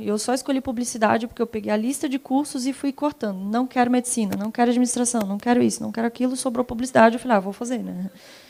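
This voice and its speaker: A woman's fairly high, fairly evenly intoned voice at a very fast pace with hardly any pauses, over noticeable background noise. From Minas Gerais, Belo Horizonte. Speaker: customer success professional, lecture speaker. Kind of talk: audience Q&A answer.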